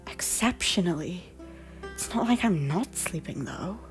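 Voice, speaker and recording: An anxious deposed queen, played by a woman in an audio drama, speaking over prominent music. Her voice is breathy and slips towards whispers, with a hesitant, wistful formality that carries wounded pride and guilt. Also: lowish voice, expressive, a little slow. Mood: uneasy. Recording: music under the voice.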